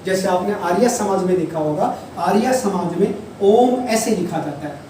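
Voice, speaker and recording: A man teaching Hindi grammar in a classroom-style lecture, explaining patiently and drawing out examples slowly. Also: high voice, mellow. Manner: explains patiently, repeats key terms and drawls examples slowly. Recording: distant mic, echoey room, faint noise.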